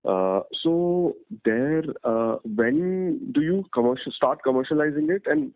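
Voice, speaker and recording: A man asking questions as an analyst on an earnings call, speaking politely and haltingly. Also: fairly high pitch, big pitch swings, no echo. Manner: deferential, hesitant, halting. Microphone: telephone. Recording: narrowband phone line.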